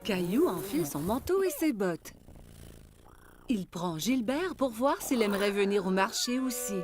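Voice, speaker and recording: Animated woman narrating a children's story. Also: medium pitch, unhurried. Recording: music behind the voice. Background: music.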